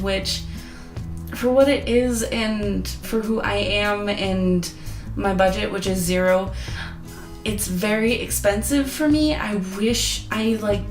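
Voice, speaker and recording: A young woman reviewing an app in a chatty, earnest, rambling way, hoarse as she loses her voice. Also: mid-range voice. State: losing her voice. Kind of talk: casual review vlog. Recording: echoey room with guitar music.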